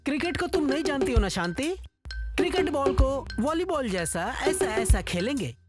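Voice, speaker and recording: A man dubbing an excitable young schemer who talks up his plans with bits of English slang. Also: extremely high pitch, moderate pace, over loud music. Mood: boastful. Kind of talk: Hindi film dubbing. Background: film score.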